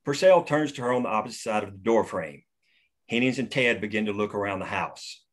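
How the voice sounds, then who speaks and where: A man reads a screenplay's action lines aloud at a table read, steady and matter-of-fact. His voice sits somewhat low. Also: a little fast, slight background noise. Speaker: stage direction reader.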